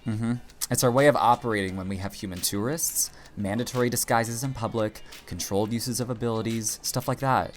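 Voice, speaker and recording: An actor playing a teasing, supportive small-town barista in an audio drama, expressive and playful. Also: medium pitch, fairly quick, few pauses, soft background music, close to an everyday voice. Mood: thoughtful, urging. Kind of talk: naturalistic audio drama acting.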